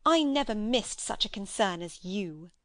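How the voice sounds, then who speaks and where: A woman's voice: mid-range voice, animated, unhurried, fairly bright tone, no echo. A woman voicing a proud, scornful young lady with a cold, clipped way of speaking.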